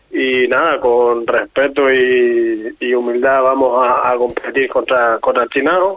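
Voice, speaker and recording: At a fairly slow pace with hardly any pauses, a man speaks at medium pitch with fairly even intonation and very even loudness. Background noise is noticeable. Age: 30s. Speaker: footballer. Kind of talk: radio interview.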